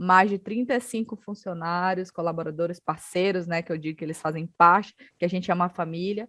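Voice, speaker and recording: Against a quiet background, a woman with an unremarkable speaking voice and a fairly low pitch talks at a fairly quick pace with fairly even intonation and hardly any pauses. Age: 20s. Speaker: solar engineering business owner. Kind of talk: casual podcast interview.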